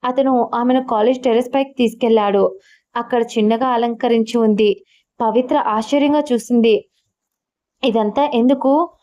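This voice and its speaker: A woman narrating a love story in a steady, even reading style. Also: fairly high pitch, normal speed.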